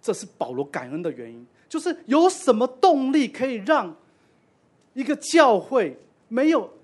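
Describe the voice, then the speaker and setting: A man's voice: very high voice, big pitch swings, moderate pace. A man preaching a sermon as pastor, conversational with self-deprecating asides.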